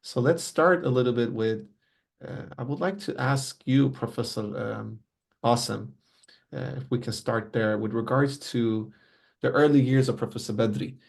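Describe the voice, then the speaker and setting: A man's voice: medium pitch, normal speed, gravelly. A man hosting an online tribute over a video call, courteous and formal, with many religious blessings in his speech. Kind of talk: formal moderating.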